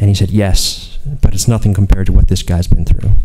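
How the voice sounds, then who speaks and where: A man's flat, monotone delivery over light background noise. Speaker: panelist. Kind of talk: personal story talk at a conference. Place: hall. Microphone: podium.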